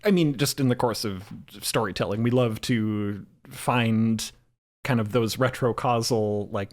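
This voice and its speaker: A man in a casual roundtable discussion, speaking in an articulate, agreeable manner. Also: fairly low pitch. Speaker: podcast creator, panel guest.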